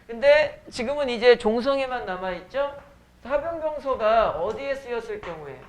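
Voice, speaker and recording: A man teaching a high school Korean class, lecturing casually with joking asides to his students. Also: animated, normal speed, slight background noise. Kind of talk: classroom lecture with teasing banter. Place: academy classroom.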